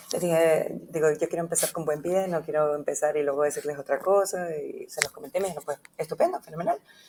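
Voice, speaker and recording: Over noticeable background noise, a woman talks at a very fast pace with a fairly low pitch and fairly even intonation. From Canary Islands, Tenerife. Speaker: journalist. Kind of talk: interview.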